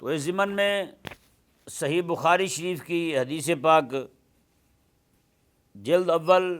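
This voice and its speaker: A man's voice: a little high, fairly bright tone. A man delivering a Friday sermon as a mufti, reciting Arabic phrases and explaining them, with rhetorical questions to the congregation. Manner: asks rhetorical questions and checks in with "hain ji". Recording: long echoing reverb of a large hall.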